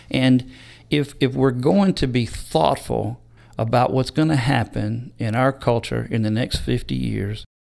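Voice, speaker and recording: A man talks at a fairly slow pace. The recording is very clean, with a silent background. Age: 60s. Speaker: campus ministry leader. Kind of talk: casual interview.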